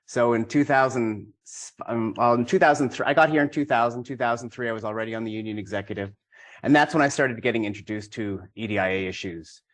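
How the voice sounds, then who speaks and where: A middle-aged university administrator, a man, giving a measured, matter-of-fact conference talk. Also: mid-range voice.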